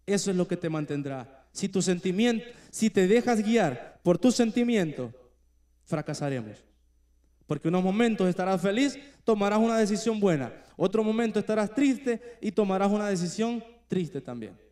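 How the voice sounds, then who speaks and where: Earnest preacher man, mellow voice. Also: sits high, lively intonation. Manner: earnest preaching with slow emphatic phrases that drop quiet. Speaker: church elder preaching. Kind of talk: sermon. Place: church.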